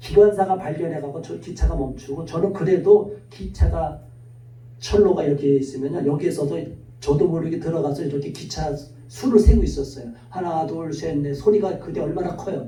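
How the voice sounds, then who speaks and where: A man talks at a moderate tempo in a fairly high voice with ordinary pitch variation, while background noise is noticeable and the room echo is audible. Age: 60s. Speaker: pastor. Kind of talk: sermon.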